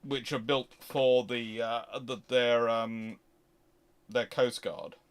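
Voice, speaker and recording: A man with a mid-pitched voice hosts an informal question-and-answer talk. He speaks off the cuff, wandering through each point and reasoning aloud as he goes. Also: little pitch movement, slow, clear, resonant tone. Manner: discursive, thinking aloud. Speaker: host answering audience questions.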